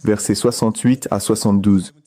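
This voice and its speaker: A man's voice: on the low side, flat delivery, fairly quick, dark tone. A man asking a question from the audience of a public debate, polite but persistent, citing references.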